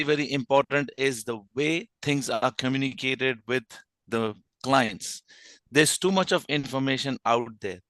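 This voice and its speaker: A hoarse man giving impromptu remarks as a member of an online meeting. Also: mid-range voice, a bit bright, dry recording. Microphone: video call.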